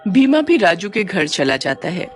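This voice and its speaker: A male storyteller narrates a cartoon horror tale in a steady, scripted style. His voice sits high for a man. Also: a little slow, faint music behind.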